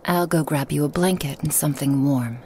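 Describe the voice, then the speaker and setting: A woman playing a lonely, hospitable woman in a remote forest cabin, speaking softly and coaxingly in a half-whisper to the listener. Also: low voice, a little fast, slight background noise, natural voice. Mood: gentle. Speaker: ASMR roleplay performer. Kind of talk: ASMR roleplay, whispered to the listener.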